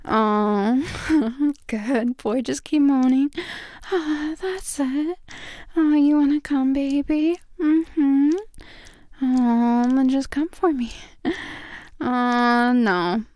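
A woman performing intimate adult roleplay as a dominant, affectionate lover, murmuring drawn-out praise and sometimes slipping toward a whisper. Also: high voice, darkish tone, dry recording, studio quality. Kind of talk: intimate erotic audio roleplay addressed to the listener.

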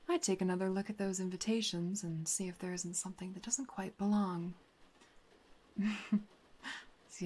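A woman's voice: on the low side, darkish tone, husky. A woman playing a sultry, dominant, mysterious woman in an erotic audio roleplay, whispering and moaning breathily. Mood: teasing, cryptic.

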